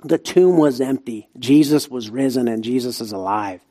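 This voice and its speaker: A man's voice: mid-range voice, normal speed, mellow. A man with an Appalachian, Southern US hillbilly accent preaching a sermon in emphatic short phrases, repeating himself and asking rhetorical questions.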